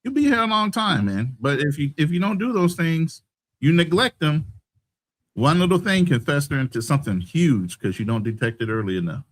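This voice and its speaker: A man in his late fifties in a casual podcast chat, giving advice in a steady tone. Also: a little high, moderate pace, no echo. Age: 50s. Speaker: podcast co-host.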